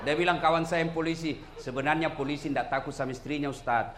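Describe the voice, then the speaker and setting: A man preaching a humorous sermon to a crowd, acting out the voices in his stories and shouting his punchlines. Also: on the high side, steady tone, quick pace. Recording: echoey hall with faint noise.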